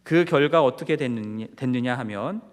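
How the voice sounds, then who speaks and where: A male pastor giving an early-morning sermon in measured tones, asking the congregation rhetorical questions and pausing on filler sounds. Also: medium pitch. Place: church sanctuary. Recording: long church hall reverb.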